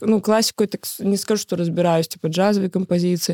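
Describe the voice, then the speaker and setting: Speaking very fast, a woman with a dark, mellow tone uses ordinary pitch variation, heard in a dry, close sound with no echo. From North Ossetia, Russia. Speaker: musician and music producer. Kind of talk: casual interview chat. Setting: studio.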